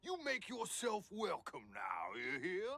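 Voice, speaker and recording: A man's voice: high-pitched, wildly swooping pitch, a little slow, bright, forceful tone, heavily acted. An actor voicing a synthetic man who poses as a folksy, cheery human and insists too hard that he is one. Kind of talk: video game character dialogue.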